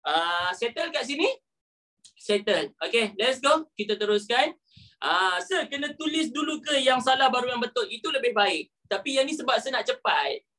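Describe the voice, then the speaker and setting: A man's voice: very high voice, expressive, moderate pace, sharp tone. A male teacher giving a live online lesson, chatty and joking, with frequent "ah" fillers between points.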